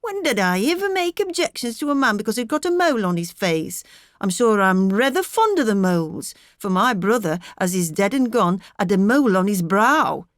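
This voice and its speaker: A woman's voice: on the high side, no echo, clean studio sound, pitched above the performer's own voice, natural voice. A woman voicing a fretful middle-aged country wife with a rural English accent, rambling on earnestly and plaintively in an audiobook. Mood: earnest, puzzled.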